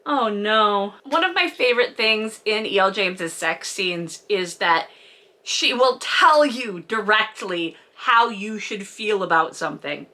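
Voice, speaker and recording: A woman's voice: mid-range voice, expressive, a little slow, sharp tone. A woman hosting a comedic read-along, mocking a book with sarcastic, exaggerated emphasis and plenty of swearing. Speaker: host reading a book aloud and mocking it.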